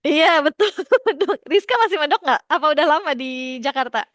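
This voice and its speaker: Young woman teacher, chatty, laughs a lot, bit high, dry close sound. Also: animated, normal speed, fairly bright tone, dry recording. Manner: chatty, laughs often, many fillers. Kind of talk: classroom lesson, questioning students.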